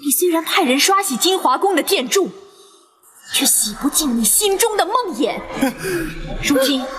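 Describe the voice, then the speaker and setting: Kou Zhu, a high-voiced vengeful ghost. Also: female voice, lively intonation, normal speed, a crowd in the background. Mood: vengeful wailing. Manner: ghostly, mournful, menacing declamation. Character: vengeful ghost of a wronged palace maid. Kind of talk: theatrical Chinese period drama acting. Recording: echoey hall reverb, noisy ambience.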